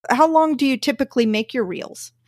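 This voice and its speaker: A woman's voice: high voice, fairly quick, no echo, clean studio sound. A woman hosting a casual interview, asking curious follow-up questions. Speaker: podcast host.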